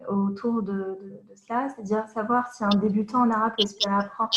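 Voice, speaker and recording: A woman's voice: mid-range voice, steady tone, fairly quick, over a noisy crowd. A woman relaying audience questions, hesitant with many fillers. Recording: echoey muffled line with faint noise.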